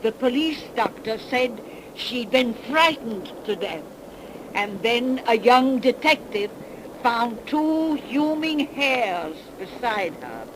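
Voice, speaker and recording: A woman voicing an old cackling witch who tells tales in a slow folksy dialect drawl, in 1930s radio drama style. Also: a little high, animated. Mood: eerie folksy. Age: older. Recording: noisy 1930s radio recording.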